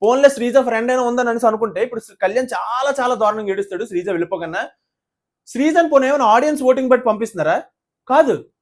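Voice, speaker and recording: A man's voice: very high-pitched, rapid-fire. A man giving a heated casual review of a reality show, firing off indignant rhetorical questions.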